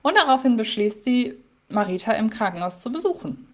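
A woman's voice: on the high side, very animated, a little fast. A woman co-hosting a podcast in casual chat, retelling a radio-play episode with many fillers. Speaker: podcast co-host.

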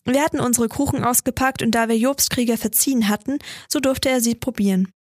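A woman calmly reading a Christmas story aloud in a measured storytelling manner. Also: fairly high pitch, dry recording, clean studio sound. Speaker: reader. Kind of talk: audiobook narration of a Christmas story.

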